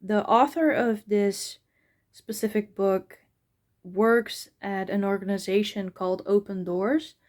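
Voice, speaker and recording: Slow-talking woman vlogging books. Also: mid-range voice, steady tone, a little mellow. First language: Dutch. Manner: hesitant, many fillers and restarts. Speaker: book vlogger. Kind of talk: casual vlog chat.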